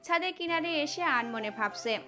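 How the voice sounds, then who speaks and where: A woman's voice: sits high, lively intonation, normal speed, sharp tone. A woman reading a scripted dramatic story as the narrator of an audio drama. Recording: music under the voice.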